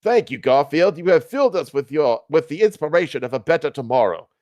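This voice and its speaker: A man's voice: a little high, animated, a little fast, darkish tone, dry recording, muffled recording, lightly acted. A man playing grateful, pleading soldiers and statesmen in a storybook reading.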